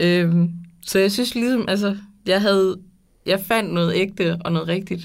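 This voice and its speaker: A woman at medium pitch with fairly even intonation and long, frequent pauses, plus audible room echo. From Denmark, Funen. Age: 20s. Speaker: doctor. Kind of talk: testimony. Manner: hesitant, many fillers.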